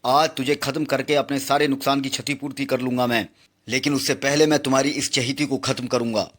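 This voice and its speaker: A man's voice: medium pitch, fairly even intonation, brisk, close to an everyday voice. A man voicing a brutal, greedy male jungle chieftain villain in a comic book reading, with a gloating, mocking manner. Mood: menacing.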